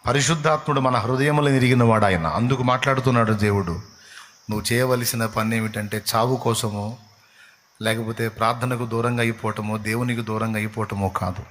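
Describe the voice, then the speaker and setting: Impassioned preacher, bright voice. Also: male voice, medium pitch, fairly even intonation, fast, slight background noise. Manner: impassioned, rising to pleading cries in acted prayers. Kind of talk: sermon.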